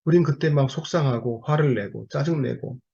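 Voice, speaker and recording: Husky-voiced man preaching a sermon. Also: mid-range voice, normal speed, dark tone, lo-fi sound. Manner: emphatic rhetorical questions to the congregation.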